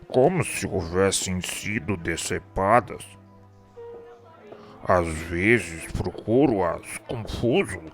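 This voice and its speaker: A man's voice: sits low, fairly bright tone. A man acting a tormented, remorseful killer in a radio drama, solemn and declamatory in formal literary speech. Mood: haunted, troubled. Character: tormented, remorseful man haunted by his murder.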